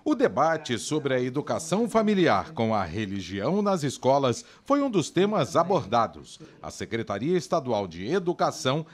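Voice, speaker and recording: A man's voice: mid-range voice, big pitch swings, moderate pace, few pauses. A man reading a scripted television news report as the reporter.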